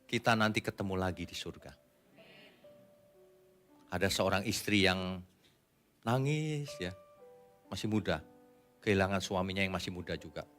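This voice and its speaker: A male pastor with a bright, forceful voice delivers a casual, conversational sermon. He drops into soft asides, then rises sharply for emphatic points. Faint music plays behind him. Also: low-pitched, animated, moderate pace, long pauses.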